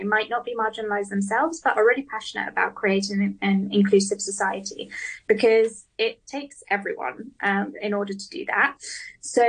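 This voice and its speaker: A woman's voice: medium pitch, distant mic, low-quality recording. A woman guest on a radio interview who explains a community program in an upbeat way, with frequent ums.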